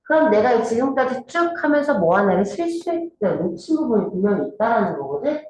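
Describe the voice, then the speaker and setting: A woman's voice: a little high, big pitch swings, brisk, a little mellow. A woman teaching an exam-prep English grammar lesson, often checking in with her students. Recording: very echoey room with faint noise.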